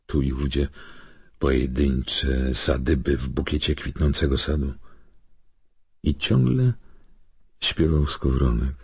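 A man narrates a novel in an extremely low voice. It is rough and very husky, recorded dry and close, with the style of scripted literary reading. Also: no room sound. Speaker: audiobook narrator.

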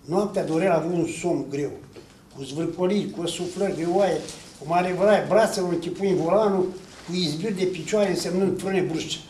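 A man reads a humorous story aloud with expressive narration. His slightly high voice comes from far off the mic. The echoey hall adds a faint hiss behind him. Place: cultural center hall.

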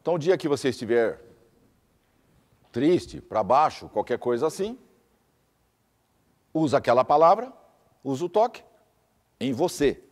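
A man's voice: medium pitch, expressive, unhurried, pauses often, long reverb tail. A man giving a teaching lecture, explaining step by step with lists and repeated examples.

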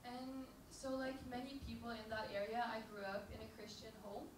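A woman in her twenties from Norway, telling her life story into a handheld mic in short sentences, pausing after each one. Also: on the high side, little pitch movement. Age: 20s. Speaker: speaker sharing her testimony. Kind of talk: personal testimony in short phrases for an interpreter. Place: small dark music venue stage. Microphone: handheld microphone. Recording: roomy, noisy venue, from far off.

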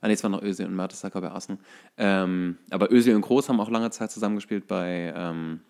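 A man with a German accent and a fairly low voice talks casually as a podcast co-host. He often pauses and searches for his words while explaining his view in a football chat. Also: creaky, a little mellow.

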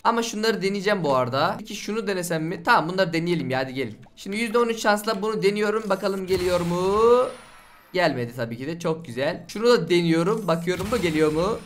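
A man commentating his gameplay to viewers, excitable and exasperated, swinging between groans and shouts. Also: high voice, fast. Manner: addresses viewers directly. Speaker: gaming channel host.

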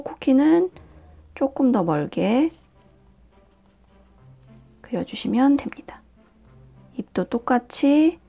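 A woman hosting a nail art and drawing tutorial, talking calmly step by step and often dropping to a whisper. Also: fairly high pitch, gravelly. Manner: calm, slow, often drops to a whisper. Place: indoors at a desk, hands on camera.

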